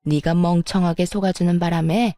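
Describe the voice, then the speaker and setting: A woman's voice: lowish voice, steady tone, moderate pace, warm tone, no room sound, faint music behind, close to an everyday voice. A woman voicing a scheming, spiteful older mother-in-law who sneers and plays the victim in a storytelling audio drama. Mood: gloating. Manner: sneering, then falsely pitiful.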